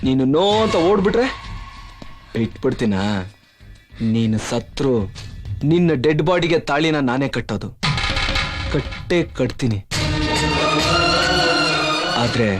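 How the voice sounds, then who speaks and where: A man's voice: medium pitch, expressive, unhurried, long pauses, music in the background, lightly acted. A man playing a brash teasing rowdy. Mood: menacing teasing. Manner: teasing, repeats words, swings to sudden threats. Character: brash young male rowdy, menacing lover. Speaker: lead actor in a feature film. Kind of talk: dramatic film acting. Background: film score.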